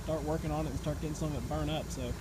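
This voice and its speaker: A man's voice: steady tone, rapid-fire. A man talking casually and plainly, with mild cursing, as he vlogs on a phone outdoors at a work site as an excavator operator. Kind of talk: casual unscripted vlog narration. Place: outdoors at a land-clearing site and in an open excavator cab. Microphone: handheld phone. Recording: loud engine and outdoor machinery noise. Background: vehicle engine rumble and outdoor noise.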